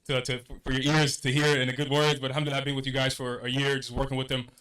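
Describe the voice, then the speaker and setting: A man's voice: medium pitch, level tone, very fast, a bit bright, rough recording. A man from Senegal giving a motivational religious address as a mosque youth director, earnest and repeating key phrases for emphasis. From Senegal, West Africa.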